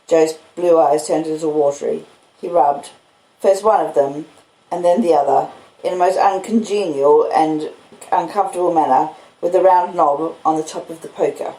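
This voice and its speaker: A woman's voice: sits low, moderate pace, warm tone, reverberant, low-quality recording. A woman with an Australian accent reading literary narration as an audiobook reader.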